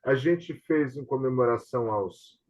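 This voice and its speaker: A man's voice: medium pitch, unhurried. Brazilian man, dull video-call sound. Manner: explanatory, often seeking agreement with tag questions. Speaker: host and theatre director. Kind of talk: casual online discussion.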